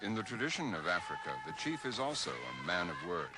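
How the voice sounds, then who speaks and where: Deep-toned, very lively male documentary narrator. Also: brisk. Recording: old documentary tape, heavy background noise.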